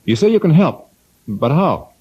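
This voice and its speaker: An actor playing a cautious navy commander who speaks in a guarded, matter-of-fact way, in an old radio drama. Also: male voice, a little high, very animated, moderate pace, slightly rough. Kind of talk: 1950s radio drama acting. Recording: dull old radio broadcast.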